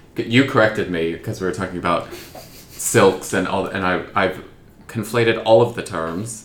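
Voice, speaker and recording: A man's fairly low voice, a plain, everyday voice, at a moderate pace with ordinary pitch variation. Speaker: arbitration podcast co-host. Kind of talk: casual chat.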